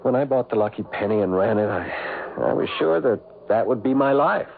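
An actor playing a brusque, evasive forty-year-old husband in a radio drama, defensive and hesitant. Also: male voice, medium pitch, expressive, fairly quick, vocal fry, narrow, tinny audio, a little hiss or hum. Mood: hesitant, reflective. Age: 40s. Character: irritable, evasive husband, forty, troubled former mine owner. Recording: thin band-limited old radio broadcast.

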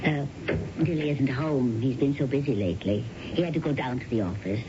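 A genteel, solicitous wife in 1970s radio drama. Her delivery is measured and theatrical, polite with suspicion underneath. The old broadcast sounds dull and clearly noisy. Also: very deep voice. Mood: politely gracious. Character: genteel wife, outwardly sweet, quietly suspicious of husband.

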